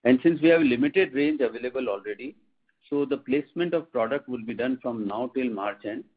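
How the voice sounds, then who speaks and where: A man with an Indian accent, a company executive answering questions on an earnings conference call in a measured, formal, explanatory way. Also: mid-range voice, husky. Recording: muffled tinny phone line.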